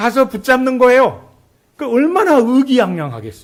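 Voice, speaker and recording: A man at a moderate pace. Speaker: pastor. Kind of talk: sermon. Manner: animated.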